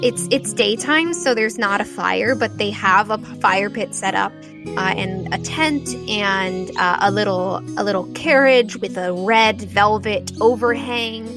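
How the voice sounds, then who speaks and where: With music in the background, a woman leads a tabletop roleplaying game, making up descriptive narration on the spot. She talks in a relaxed way with a mid-range voice and frequent pauses while painting the setting.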